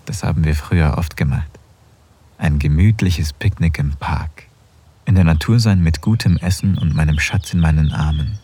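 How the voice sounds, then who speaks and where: An actor playing an affectionate married man in an intimate audio drama, speaking softly and close to a whisper. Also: a bass voice, moderate pace, breathy edge. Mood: tender. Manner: soft, intimate, often near a whisper. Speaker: husband in an erotic audio drama.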